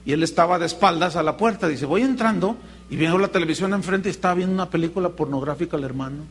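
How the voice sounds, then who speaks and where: Animated preacher, high voice. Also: male voice, fast, husky. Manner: animated storytelling, mimics voices in quotes. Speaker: pastor. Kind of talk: sermon with acted anecdotes.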